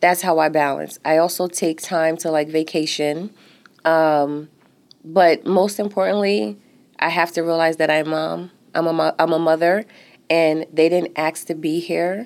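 The recording is very clean, with a silent background. A woman speaks at a fairly low pitch and a moderate pace, her intonation fairly even. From Philadelphia, Pennsylvania. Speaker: entrepreneur and community leader. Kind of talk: interview.

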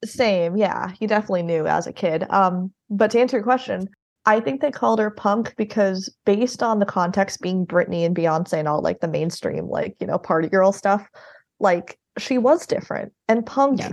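Against a quiet background, a woman speaks at a moderate pace in a normal speaking voice, medium in pitch with ordinary pitch variation. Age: 20s. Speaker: young adult author and music journalist. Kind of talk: casual chat.

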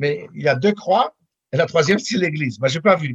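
Lively intonation marks this man's speech, recorded with a dry, close sound and no echo. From Israel (Haifa), born in Poland. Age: 70s. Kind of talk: life-story interview. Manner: halting, with repetitions.

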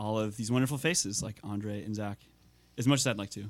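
Spoken with fairly even intonation in an American accent. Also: man. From Minnesota, US. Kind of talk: casual chat. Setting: studio.

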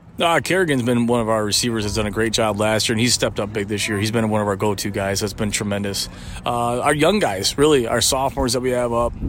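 Over noticeable background noise, a man with an American accent talks at a medium pitch and a very fast pace, with hardly any pauses. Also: ordinary pitch variation. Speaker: high school football coach. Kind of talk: pregame interview. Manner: halting, many fillers.

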